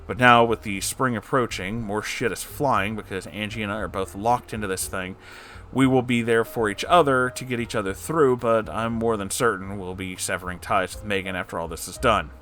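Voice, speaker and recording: A man's voice: lowish voice, moderate pace, pushed and bright. A man hosting a story reading, giving candid casual commentary in an emphatic, blunt, sweary way. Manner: emphatic, blunt, profane asides. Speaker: host reading and reacting to listener-submitted stories.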